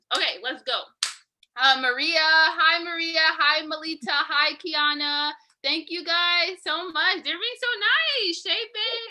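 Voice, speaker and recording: A woman's raised, projected voice with an American accent, extremely high in pitch, with ordinary pitch variation and a very slow pace. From California. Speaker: online talk show host. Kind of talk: casual chat.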